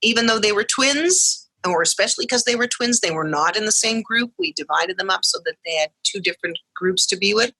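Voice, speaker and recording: A woman speaking English as her first language, telling her family's story in a lively way as a guest on a podcast interview. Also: medium pitch, brisk, few pauses, slightly rough, dry recording, rough recording. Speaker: guest, mother of deaf twins.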